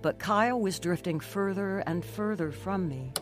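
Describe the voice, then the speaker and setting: An actress playing an earnest, emotional middle-aged Christian wife in a radio drama. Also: female voice, medium pitch, normal speed, soft background music, close to an everyday voice. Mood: earnest, reflective. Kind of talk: radio drama narration and dialogue.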